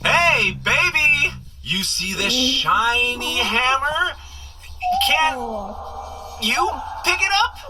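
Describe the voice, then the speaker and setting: Bumbling superhero coach, audio comedy: high, very animated voice, nervous apologetic rambling. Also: male voice, extremely slow, pauses often, very noisy, full character voice. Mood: coaxing. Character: frantic, bumbling, good-hearted male superhero Ant-Man coaching a runner. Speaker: actor playing a superhero guide. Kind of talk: comedy audio drama acting, addressing the listener.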